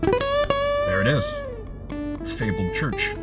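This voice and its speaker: An actor playing a reluctant, grumbling driver in an audio drama, husky and dryly hesitant. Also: male voice, extremely high pitch, wildly swooping pitch, extremely slow, over loud music, heavily acted. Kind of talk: naturalistic audio drama dialogue.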